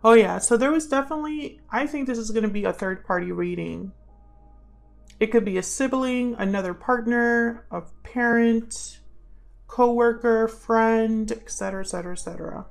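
Creaky-voiced woman giving a tarot reading. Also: a little high, normal speed, faint music behind. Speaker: tarot reader and channel host. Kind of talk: casual spoken tarot reading to viewers.

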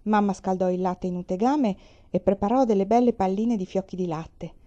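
A woman reads a children's novel aloud with calm, measured pacing. Her voice is mellow and warm, at a middle pitch. The recording sounds dull and lo-fi. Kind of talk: audiobook reading of a children's novel.

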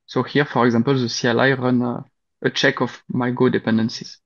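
A man's voice: mid-range voice, brisk, gravelly. Man explaining a pipeline demo on a call. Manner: steady explanatory, occasional restarts. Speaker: conference speaker. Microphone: video call webcam. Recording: dull lo-fi call audio.

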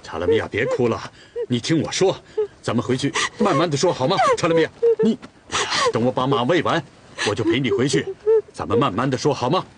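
An actor playing a dutiful young Torghut man in a costume drama who scolds firmly and then soothes gently. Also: mid-range voice, wildly swooping pitch, quick pace, heavy background noise. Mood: soothing. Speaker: Torghut herder tending the khan's horses. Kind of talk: television costume drama dialogue.

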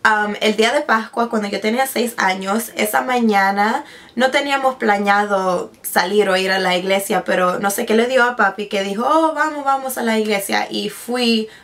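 A woman's voice: medium pitch, normal speed, a bit bright. A woman in her twenties, raised speaking Spanish but now mostly speaking English, vlogging casually from her bedroom and often restarting and mixing in English words. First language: Spanish, now mainly speaks English. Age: 20s. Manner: chatty, with frequent restarts and English words slipped in. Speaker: beauty vlogger. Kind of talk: casual personal vlog. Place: bedroom with vanity desk, indoors. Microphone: camera in front, seated at medium distance.

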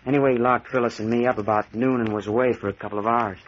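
An actor playing an uneasy, guarded young college student in an old-time radio drama. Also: male voice, medium pitch, steady tone, quick pace, lightly acted. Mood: puzzled. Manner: guarded, short answers. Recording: muffled old radio recording.

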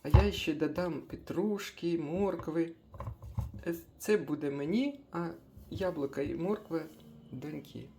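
An older woman chatting casually as she makes a breakfast smoothie in her kitchen, thinking aloud with small laughs. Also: low-pitched, measured pace, warm tone, slight background noise. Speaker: cooking vlogger.

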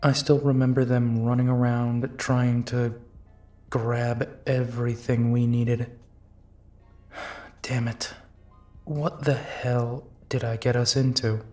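A man's voice: mid-range voice, level tone, slow pace, long pauses, a little mellow, soft background music, lightly acted. A man playing a big, tired, protective werewolf detective in an intimate, conversational audio drama, with a musing, sighing manner. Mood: weary, brooding. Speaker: voice actor in audio roleplay.

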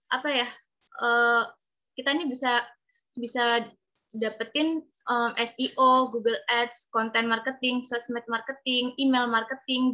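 Bright-voiced woman presenting slides. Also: a little high, rough recording. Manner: chatty, addresses audience directly. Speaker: webinar speaker. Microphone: computer mic on video call.

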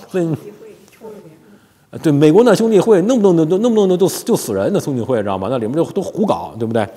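A man's voice: a little high, slightly rough. A man hosting a casual commentary monologue, joking, laughing often and stumbling over repeated words, on a lapel mic. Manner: animated and joking, frequent laughter and stammered repeats. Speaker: commentary channel host. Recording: long hall reverb.

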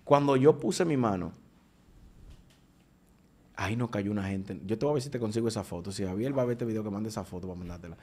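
A man, a preacher giving his testimony in an animated conversational way, often restarting his sentences. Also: lowish voice, fast talker, long pauses. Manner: animated storytelling with frequent restarts.

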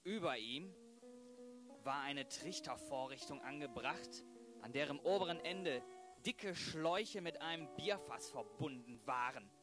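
A man's voice: on the high side, lively intonation, measured pace. A man narrating a crime audio drama in a dramatic style. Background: music.

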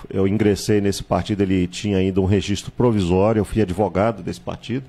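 A man, a candidate recounting his life in a studio interview, measured and reminiscing, with hesitations and tag questions, on a handheld mic. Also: low voice, steady tone, gravelly, mellow. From Salvador, Bahia, Brazil. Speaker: political candidate, guest. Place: small TV studio with virtual set.

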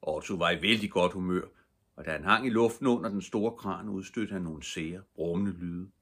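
An older man reads a children's storybook at bedtime in a deep, husky voice, narrating calmly and gently.

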